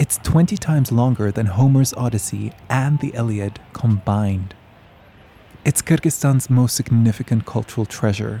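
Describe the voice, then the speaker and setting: At a moderate pace, a man talks at a medium pitch with a somewhat breathy, dark, mellow tone and ordinary pitch variation. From South Africa. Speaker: podcast host. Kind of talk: documentary narration and interviews. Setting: outdoors on location.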